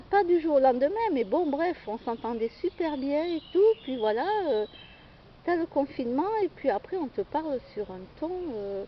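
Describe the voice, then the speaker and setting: A woman with a fairly high voice rambles through a personal story, stopping often to hesitate and restart. The recording sounds dull and lo-fi, with faint outdoor noise and birdsong behind her. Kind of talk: casual storytelling monologue.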